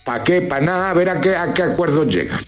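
High-pitched man, grumbling and rambling. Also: lively intonation, fairly quick, over loud music. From La Mancha, Spain. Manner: rambling, colloquial, repeats rhetorical questions. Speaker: regular radio contributor nicknamed as a judge. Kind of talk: comic grumbling chat.

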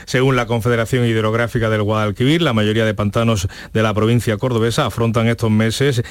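A man's voice: lowish voice, little pitch movement, a little fast, smooth, dry recording. A man with an Andalusian accent reading a radio news report, with a small slip now and then.

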